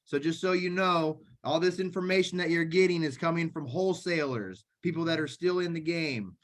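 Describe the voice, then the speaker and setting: A man co-hosting a live video call, speaking earnestly and directly, with a few restarts. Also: fairly high pitch. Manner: earnest, direct, a little halting. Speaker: co-host.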